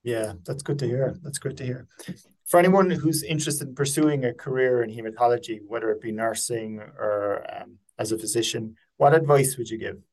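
Guy hosting a podcast interview, medium pitch, polite and appreciative, casual questions. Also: normal speed, a little mellow, poor audio. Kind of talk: conversational interview.

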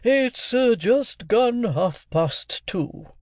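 A stout, pompous old gentleman from a classic storybook, drawling slowly and full of self-satisfaction, as a male narrator does him. The voice is pitched well above the reader's own, with an altered timbre. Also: lively intonation, no echo, studio quality, heavily acted. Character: pompous, fat, jovial older man.

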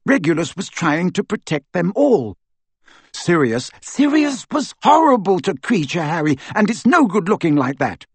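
A man's voice: high-pitched, husky, no echo, voice pushed up, full character voice. A man voicing an earnest, clever teenage girl witch who insists on her point, in a raised voice. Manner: insistent, lecturing.

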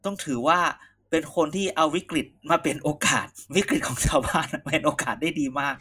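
Brief: male co-host, high bright voice, teasing rough banter. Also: fairly quick. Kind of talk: casual political chat.

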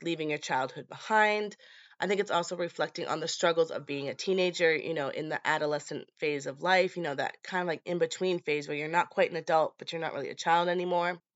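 Female podcast host, lowish voice, congested and nasal as if throat is swollen, casual delivery, dry but dull recording. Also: no echo. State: congested from allergies, sore throat. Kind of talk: casual scripted horror movie podcast.

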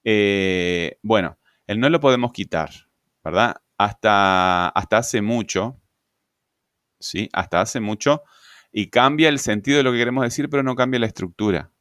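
A man's voice: on the low side, a bit bright, clean tone, no echo, clean studio sound. A man explaining grammar in a recorded lesson, hesitating often and checking in with tag questions. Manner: halting, many fillers and tag questions. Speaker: grammar teacher.

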